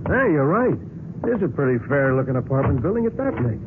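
A man's voice: on the high side, very animated, quick pace. A man playing a skeptical, wisecracking police sergeant in 1940s radio drama style, blunt and grumbling. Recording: tinny, hissy 1940s radio recording.

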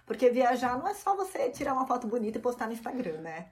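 A woman with a Brazilian Portuguese accent, a guest on a podcast, talking in a lively and agreeable way. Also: on the high side, fast talker. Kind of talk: casual podcast conversation.

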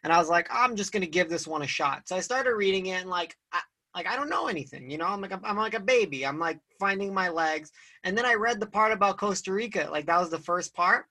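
Bright-voiced casual young man. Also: sits high, animated, fast talker. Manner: casual, lots of "like" and laughs. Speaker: podcast host. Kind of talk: casual conversation.

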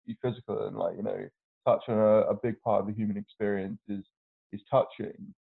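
Earnest male co-host, gravelly low voice with frequent restarts, heard over a tinny call line. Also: steady tone, brisk. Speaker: podcast co-host. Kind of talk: casual chat over video call. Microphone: video call. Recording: tinny phone-like video call audio.

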